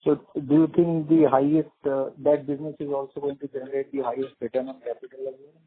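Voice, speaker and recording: A man with a husky voice, asking measured investor questions on a conference call. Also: medium pitch, little pitch movement. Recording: muffled narrow phone line.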